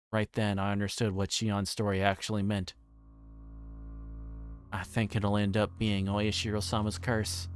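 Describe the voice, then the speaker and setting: A man livestreaming a game, reading aloud and chatting in a halting way, stumbling over words. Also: on the low side, no echo. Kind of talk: reading a visual novel aloud and chatting with stream viewers. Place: livestream with music playing behind.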